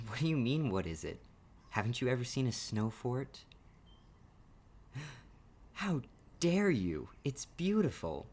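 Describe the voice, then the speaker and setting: A young man in an ASMR boyfriend roleplay, talking playfully and teasingly, laughing often and sometimes dropping to a hush. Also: medium pitch, sing-song, slow pace, pauses often, husky. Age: young adult.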